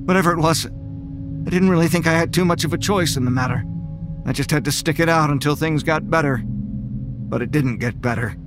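An actor playing an anxious man who unravels into paranoia, stammering and halting as he narrates. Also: on the high side, lightly acted. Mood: brooding narration. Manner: halting, stammering, rising to desperate pleading. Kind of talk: audio drama acting with narration.

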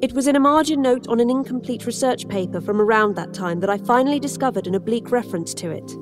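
A woman narrating a horror audio drama in first person, measured and introspective. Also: on the high side, music in the background. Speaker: narrator and lead character.

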